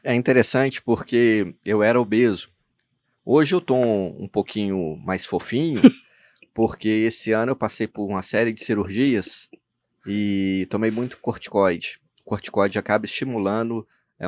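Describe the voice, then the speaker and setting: A man's voice: fairly low pitch, fairly even intonation, a little slow, a little mellow, no room sound. A Brazilian man hosting a podcast interview as a therapist, explaining things at length and often checking in with tag questions. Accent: Brazilian Portuguese. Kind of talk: conversational interview.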